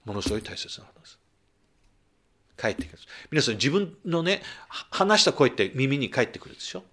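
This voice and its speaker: A man's voice: medium pitch, big pitch swings, fairly quick, a bit bright. A male pastor giving a sermon in a conversational manner, asking the congregation questions and rising to emphatic bursts.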